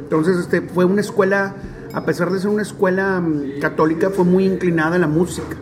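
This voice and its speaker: A man in his forties from Monterrey with a northern Mexican accent, telling stories in an interview in a chatty, animated way with many fillers. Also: sits high, fairly quick, noisy background. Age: 40s. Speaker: stadium DJ and announcer. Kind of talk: relaxed storytelling interview.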